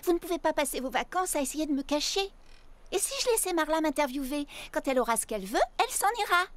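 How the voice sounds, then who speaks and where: A woman's voice: high-pitched, lively intonation, quick pace, no echo. A woman voicing a kind, level-headed young girl in a French cartoon, polite and reasonable. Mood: reassuring. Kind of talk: French animated cartoon dubbing.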